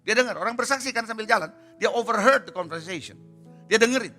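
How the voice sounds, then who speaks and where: A man's voice: high-pitched, expressive, fast talker, bright, forceful tone, soft background music. A man pastor preaching a sermon at a church service, emphatic and repeatedly putting rhetorical questions to the congregation.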